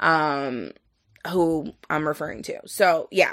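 Over a quiet background, a woman speaks in an animated tone. Her pitch variation is ordinary. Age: 30s. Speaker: podcast host. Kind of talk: casual solo chat. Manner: casual, rambling, filler-heavy; animated, chatty.

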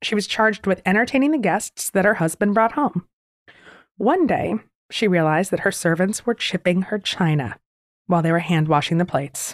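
An American accent comes from a woman with an unremarkable speaking voice, lively intonation and a fairly quick pace. The recording is very clean with a silent background. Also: dry, close sound with no echo. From Philadelphia, US. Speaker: podcast guest host. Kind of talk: scripted storytelling. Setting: home closet.

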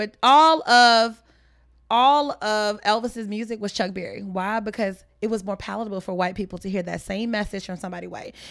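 Here is an ordinary speaking voice: a woman with an American accent, at a moderate pace and with ordinary pitch variation. The recording is very clean, with a silent background. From Richmond, Virginia. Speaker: podcaster and media mentor. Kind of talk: casual chat.

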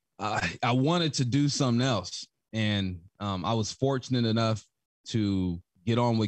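An ordinary speaking voice, a man with an American accent uses a medium pitch and ordinary pitch variation in a dry, close sound with no echo. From Los Angeles. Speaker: former football player and sports broadcaster. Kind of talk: casual interview chat.

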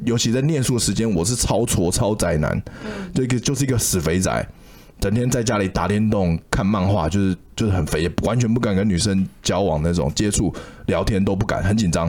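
This is a plain, everyday voice with ordinary pitch variation. It moves at a fairly quick pace, and its loudness stays very even. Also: man, fairly low pitch for a man. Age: 40s. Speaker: stand-up comedian. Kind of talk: casual chat.

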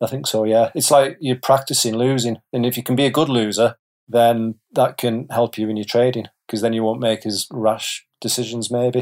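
Recorded very cleanly with a silent background and a dry, close sound with no echo, a man with a British accent speaks at a medium pitch and moderate pace with fairly even intonation. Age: 40s. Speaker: professional gambler and trader. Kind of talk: casual chat.

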